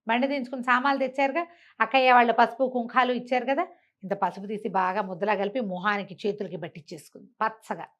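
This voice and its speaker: Conversational woman storyteller. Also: medium pitch. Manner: colloquial, rhetorical questions to the listener. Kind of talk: animated oral storytelling, conversational.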